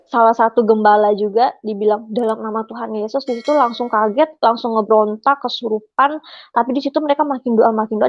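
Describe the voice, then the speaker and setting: A young woman tells her personal testimony in a higher, somewhat raised voice, stopping often with fillers as the feelings come back. The sound is dull and lo-fi, close and dry with no room around it. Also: dry recording. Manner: halting, many pauses and fillers, emotional retelling. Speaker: convert giving a testimony. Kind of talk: personal testimony, casual retelling.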